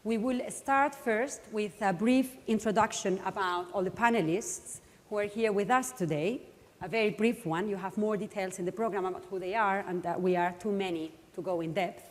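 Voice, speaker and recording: A woman's voice: medium pitch, moderate pace. A woman moderating a panel, informally explaining how a session will run. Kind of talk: informal event introduction, explaining a format. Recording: reverberant conference hall.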